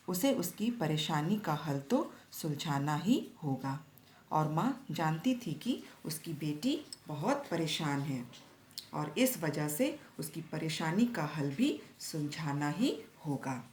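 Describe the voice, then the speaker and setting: A woman's voice: deep voice, darkish tone. A woman school teacher giving a recorded Hindi lesson to children, reading a story and explaining each line and word. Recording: echoey room.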